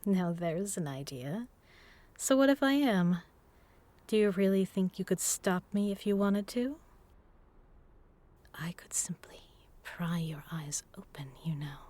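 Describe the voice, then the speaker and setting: Slow, whispery seductive vampire woman, acted out by a woman. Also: lowish voice, a little mellow. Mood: coaxing, threatening. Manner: teasing, purring, deliberate, often dropping to a whisper. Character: seductive, menacing female vampire predator toying with prey. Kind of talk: intimate hypnotic audio roleplay, slow and breathy.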